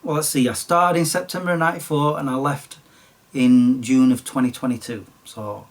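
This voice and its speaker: A man in his late forties with a Sheffield accent, chatting casually and self-deprecatingly about his past, his voice slightly croaky. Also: mid-range voice, steady tone, normal speed, far from the mic. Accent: Sheffield English. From Sheffield, England. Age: late 40s. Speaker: YouTuber. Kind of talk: casual storytelling monologue.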